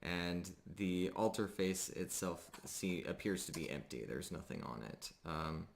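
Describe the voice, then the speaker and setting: A man working as game master, narrating a tabletop roleplaying game in an improvised, halting, descriptive way. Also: deep voice, vocal fry, slight background noise.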